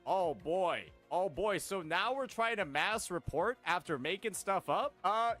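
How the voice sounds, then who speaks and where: High, lively streamer man. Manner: incredulous, sarcastic, defensive. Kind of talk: livestream reaction.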